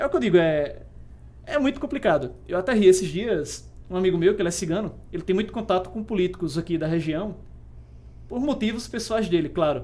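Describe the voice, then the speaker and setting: A man with a dark, mellow tone and high pitch talks fairly quickly with lively intonation. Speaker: writer and illustrator, psychologist. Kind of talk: interview conversation. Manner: fast; animated.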